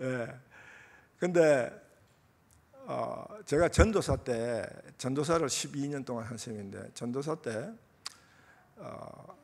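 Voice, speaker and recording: Speaking at a very slow pace with long, frequent pauses, a man uses lively intonation at a fairly high pitch. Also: big swings in loudness. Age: 70s. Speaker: pastor. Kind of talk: sermon. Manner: animated, conversational.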